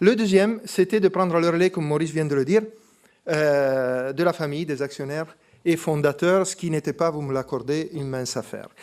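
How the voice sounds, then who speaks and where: A man with an Italian accent speaks fairly quickly in a fairly high pitch with ordinary pitch variation. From Italy. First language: Italian (speaking French). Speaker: company executive. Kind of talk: corporate results presentation. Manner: hesitant, many filler sounds.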